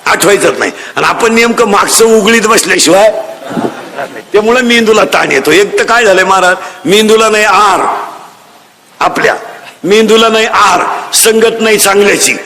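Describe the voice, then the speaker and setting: A middle-aged man preaching a devotional sermon with humor, emphatic and often shouting out his points. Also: sits high, normal speed, slight background noise. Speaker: kirtan preacher.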